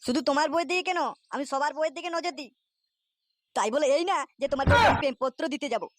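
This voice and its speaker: A man's voice: very high voice, rapid-fire, a bit bright, no room sound. A man voicing a shifty village womanizer who plays innocent in a comic cartoon, with a West Bengal accent and a mocking, evasive manner. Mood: defiant. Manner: mocking, evasive, stammers when cornered.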